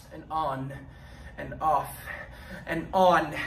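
A man talks with ordinary pitch variation. There is audible room echo and light background noise. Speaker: spoken word poet. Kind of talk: spoken word poetry performance. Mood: critical, sarcastic. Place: empty room. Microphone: camera far.

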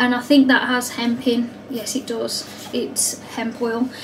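Light background noise sits behind a woman speaking at a high pitch. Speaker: vlogger. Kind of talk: casual vlog chat. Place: bathroom. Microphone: phone near.

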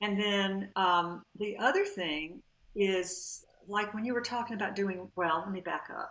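With a Southern US accent, a woman speaks at a fairly slow pace and a fairly even intonation. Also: medium pitch for a woman, quiet background. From US South. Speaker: piano technique teacher. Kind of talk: casual interview chat. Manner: halting, with false starts. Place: home room.

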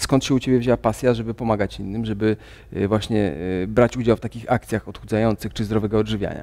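At a very fast pace, a man with a fairly low pitch and a dark, mellow tone speaks with fairly even intonation and vocal fry, the background quiet. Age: 40s. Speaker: TV talk show host. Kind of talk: talk show interview. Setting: studio. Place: studio. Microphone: lapel.

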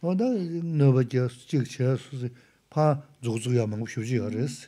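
A man speaks very slowly in a dark, mellow tone against a quiet background. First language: Tibetan (speaking Spanish). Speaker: Tibetan Buddhist monk teacher. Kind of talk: Dharma teaching. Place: hall.

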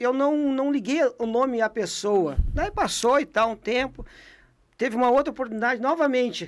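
At a moderate pace, a man talks in an extremely high pitch with ordinary pitch variation and very even loudness. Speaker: podcast host and professor. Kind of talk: casual interview. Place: studio. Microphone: podium.

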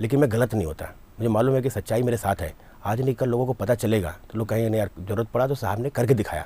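At a fairly quick pace, a man of medium pitch speaks with a dark, mellow tone that is somewhat breathy. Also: ordinary pitch variation, dry sound with no echo. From Uttar Pradesh, village near Varanasi; Uttar Pradesh. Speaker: police officer; guest. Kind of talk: interview. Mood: calm, earnest, confident. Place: studio.

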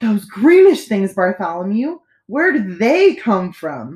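A woman's put-on character voice at medium pitch, with big pitch swings, a slow pace, a slightly husky edge and a slightly mellow tone

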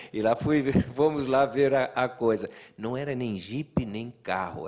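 There is a quiet background behind a man's medium-pitched voice. He speaks with ordinary pitch variation. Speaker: sailor and author. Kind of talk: storytelling talk to audience. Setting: stage with audience. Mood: cheerful, smiling storytelling. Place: hall. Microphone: podium.

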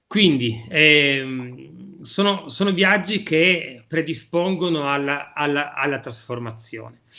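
Speaking very slowly, a man uses a fairly high, bright, sharp voice with lively intonation. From Piedmont. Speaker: writer; guest. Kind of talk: interview. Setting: video call. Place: home room. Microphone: video call.

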